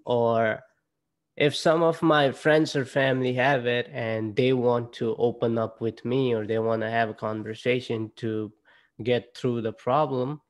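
A young man from Nepal with a Nepali accent, presenting casually to students on a video call through a laptop mic, halting and restarting often. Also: medium pitch. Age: young adult. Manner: halting, with frequent fillers and restarts. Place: indoor room at home. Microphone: laptop webcam on a video call.

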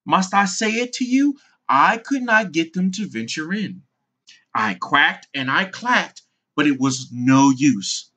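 Narrator as a bossy old duck, very animated. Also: medium pitch, takes it slowly, dull audio, full character voice. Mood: bossy, insistent. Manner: opinionated, insistent. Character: bossy, know-it-all old visiting duck.

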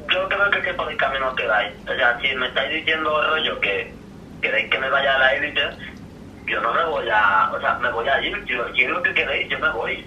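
A man's voice: mid-range voice, sharp tone, far from the mic. A man with an accent from Spain, speaking casually over a phone speaker, earnest, apologetic and rambling. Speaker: recipient of a phone call. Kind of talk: casual, emotional phone conversation. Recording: tinny roomy phone speaker, slight noise.

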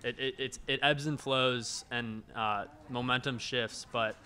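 A man's voice: medium pitch, steady tone, unhurried, sharp tone. A man in his early twenties, a college soccer player, answering hesitantly and matter-of-factly at a post-match press conference. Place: indoor press conference room, seated at table. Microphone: handheld microphone held close.

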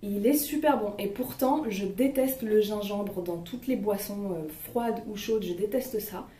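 Unhurried and mellow at a medium pitch, the beauty vlogger casually reviews products she likes, hesitating often and using many fillers. The home recording is roomy, the mic distant, and faint noise sits underneath.

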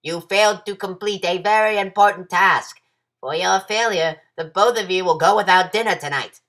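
A man's voice: sits high, normal speed, bright, forceful tone. A man voicing a bossy, fussy bird who is second-in-command of a guild, in a stern, clipped, scolding manner. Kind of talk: character voice audition.

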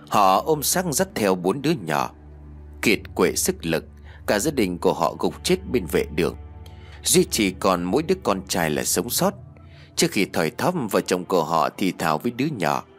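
Deep-voiced male ghost-story narrator. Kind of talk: scripted horror story narration.

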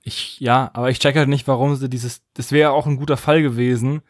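A man's voice: mid-range voice, fairly even intonation, fairly quick. A man co-hosting a podcast, discussing casually in an analytical, questioning way. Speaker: podcast host.

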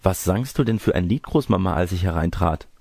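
A man's voice: deep voice, animated, fairly quick, vocal fry, darkish tone, breathy edge, dry recording, studio quality, full character voice. A man voicing a naive, inquisitive young girl in a storybook tale, full of wondering questions and exclamations. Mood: innocent, curious. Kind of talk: storybook character reading.

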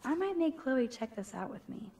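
A woman's voice: a little high, very animated, moderate pace, warm tone, breathy edge, faint music behind, heavily acted. A young woman voicing an observant teenage student in a video game, with dry, wry musings.

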